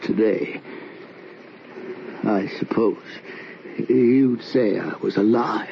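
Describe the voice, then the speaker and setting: An actor playing a haunted, confused drifter who rambles and stammers, in old radio drama style on a dull lo-fi recording. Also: male voice, fairly low pitch, slow pace, vocal fry, slight background noise. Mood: brooding. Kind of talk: 1940s radio acting.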